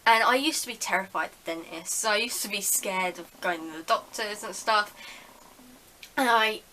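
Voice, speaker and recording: Bright-voiced chatty young woman vlogging. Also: medium pitch, moderate pace, slight background noise, poor audio. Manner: chatty, heavy use of "like", acts out dialogue. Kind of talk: casual storytelling vlog.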